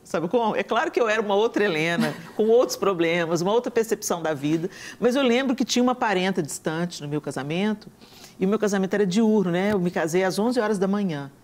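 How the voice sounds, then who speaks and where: A woman's voice: mid-range voice, quick pace. A Brazilian woman on a talk show, speaking earnestly and quoting scripture as she tells stories. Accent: Brazilian Portuguese. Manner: earnest, quotes scripture, animated storytelling. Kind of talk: conversational preaching.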